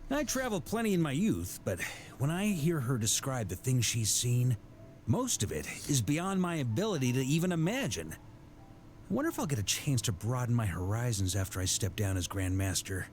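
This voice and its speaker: An actor playing a jovial, roguish middle-aged knight grandmaster in a video game, hearty and conversational like a theatrical storyteller. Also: male voice, mid-range voice, big pitch swings, moderate pace, a little mellow, slight background noise, lightly acted. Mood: wistful. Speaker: game character giving voice lines. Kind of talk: scripted video game voice acting.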